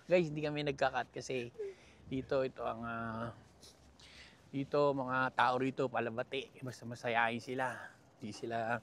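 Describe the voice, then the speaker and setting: A playful man from the Philippines walks along a river path, chatting straight to his viewers in a casual travel vlog. He jokes and chuckles often, in a mid-pitched voice. A faint wash of outdoor ambience sits behind him. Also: little pitch movement, moderate pace, fairly bright tone, slight background noise. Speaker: travel vlogger.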